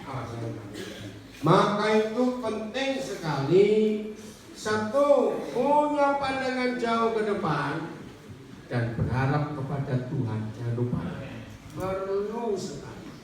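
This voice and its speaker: A male preacher giving an animated sermon, telling a story and quizzing his congregation directly. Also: sits high, slow. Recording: echoey hall from far off with faint noise.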